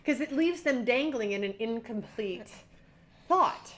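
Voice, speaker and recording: A middle-aged woman in a casual family podcast chat, teasing and exasperated. Her voice is fairly high and swings widely in pitch. She sounds animated as she mocks her husband's habits. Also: unhurried. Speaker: podcast co-host and mother.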